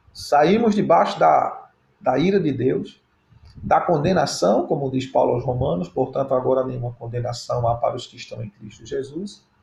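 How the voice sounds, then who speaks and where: Vocal fry runs through a man's voice, which shows big swings in loudness and very wide pitch swings. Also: medium pitch for a man. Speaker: pastor. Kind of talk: sermon. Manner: slow.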